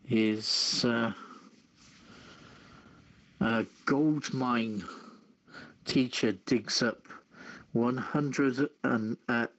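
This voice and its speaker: Slow, halting man reading news aloud. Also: mid-range voice, poor audio. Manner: halting, stumbles over words and repeats himself. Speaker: radio show host.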